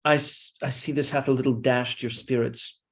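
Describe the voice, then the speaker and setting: Man reading a measured, insinuating schemer. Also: mid-range voice, fairly even intonation, lightly acted. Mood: falsely apologetic. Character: scheming deferential soldier feeding his lord's suspicion. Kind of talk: Shakespeare read-along.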